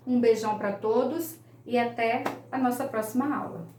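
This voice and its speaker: A woman's voice: on the high side, fairly even intonation, normal speed, reverberant, over loud music. A woman, teaching English grammar in an online lesson, patiently repeating each key point.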